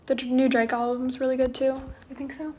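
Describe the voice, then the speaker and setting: Soft-spoken young woman on a phone live. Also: high voice, level tone, slight background noise. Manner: soft, drowsy and unhurried, often trailing off. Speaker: livestream host. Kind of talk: casual chat answering viewer comments. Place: small bedroom indoors. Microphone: phone held close, front camera.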